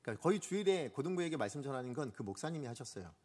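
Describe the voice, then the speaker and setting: A man's voice: medium pitch, very fast. A male pastor preaching a sermon, telling a story from his own ministry, asking the congregation questions and acting out what people said. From Korea. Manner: animated, asks the congregation questions; acts out quoted speech.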